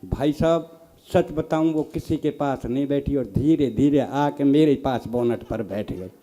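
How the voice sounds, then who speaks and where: On the stage of a live poets' gathering, this elderly comic poet from Bharatpur, Rajasthan, recites in a warm, mid-range voice at a measured pace. Folksy and teasing, he tells his stories while addressing the crowd as "sahib."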